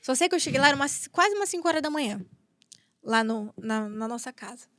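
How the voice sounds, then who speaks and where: A woman's voice: high voice, expressive, quick pace, fairly bright tone, no echo, clean studio sound. A Brazilian woman in her thirties, a podcast guest telling a personal story with emotion, repeating herself and acting out what people said. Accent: Brazilian Portuguese. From Brazil, São Paulo state. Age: 30s. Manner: emotional, acts out dialogue with repetitions. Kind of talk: storytelling in an interview.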